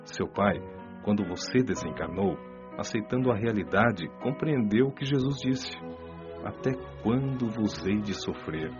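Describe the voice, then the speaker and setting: Radio drama mentor: patient, wise Brazilian man, instructive delivery, low register, music bed. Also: lively intonation. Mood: consoling, solemn. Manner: didactic, measured explaining. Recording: lo-fi band-limited audio, music behind.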